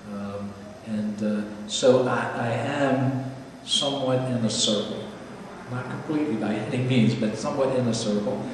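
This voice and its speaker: A man at a moderate pace with long, frequent pauses, strong room echo and noticeable background noise. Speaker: community organizer and advisor. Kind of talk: casual interview. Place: classroom. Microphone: camera far.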